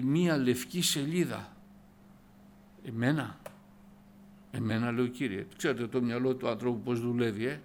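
A man giving a personal conversion testimony at church, telling his story with animated storytelling and acted-out dialogue, rising loud and emphatic on key points. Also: medium pitch, slight background noise.

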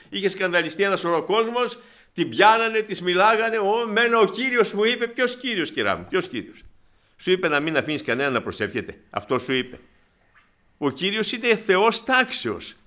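A man preaching a sermon in a bright, forceful voice that sits a little high. He is animated, keeps calling the congregation brothers and sisters, and acts out the people in his stories.

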